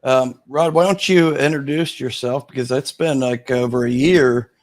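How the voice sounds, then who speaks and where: A man's voice: medium pitch, moderate pace, no echo. A man hosting a livestream, easygoing and loose, with lots of "you know" fillers. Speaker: livestream host. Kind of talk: casual livestream chat.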